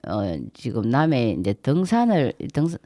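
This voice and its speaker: A middle-aged woman with a Gyeongsang accent, co-hosting a community radio show and telling stories in an animated way, acting out the voices of people she quotes. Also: a bass voice, normal speed, dry recording, clean studio sound. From Namhae, South Korea. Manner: animated retelling, acts out quoted dialogue. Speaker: radio co-host and tour guide. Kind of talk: casual radio chat, storytelling. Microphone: studio microphone.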